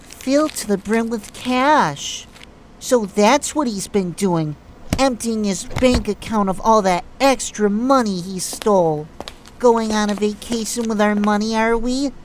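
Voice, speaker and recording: An actress plays a nosy, indignant woman in an audio drama. She speaks slowly and expressively at a middling pitch, as if thinking aloud. There is faint noise behind her. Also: close to an everyday voice, rough recording. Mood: suspicious discovery. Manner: expressive, deliberate, talks aloud to herself. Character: nosy, indignant woman snooping on a crooked colleague. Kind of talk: amateur audio drama acting.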